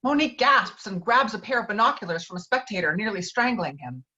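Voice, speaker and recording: Woman reading out script directions, medium pitch, slightly dull online call sound. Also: expressive, brisk, sharp tone. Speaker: stage directions narrator. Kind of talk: scripted narration of screenplay directions.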